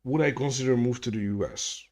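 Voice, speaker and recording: Streaming from home, this man from Hungary chats loosely with his viewers, wandering off topic, starting sentences over and cursing without restraint. He speaks fairly quickly in a medium-pitched, slightly mellow voice.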